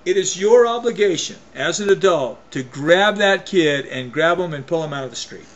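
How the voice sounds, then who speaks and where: A man's voice: a little high, lively intonation, moderate pace, dull audio. A man delivering an opinion rant to camera as a vlogger, emphatic and folksy, often restarting and repeating his phrases.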